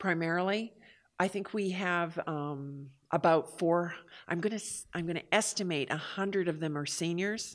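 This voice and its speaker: With a western Canadian accent, a woman speaks at a moderate pace in a fairly low pitch with fairly even intonation, on a very clean recording with a silent background. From Canada, Vancouver Island, British Columbia. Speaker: reading coach and former Olympic sprinter. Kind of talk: interview.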